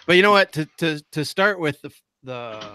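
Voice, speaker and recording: A man's voice: on the high side, expressive, moderate pace, pushed and bright, slight background noise. A man as guest host of a podcast, gushing with enthusiastic fan praise in casual chat.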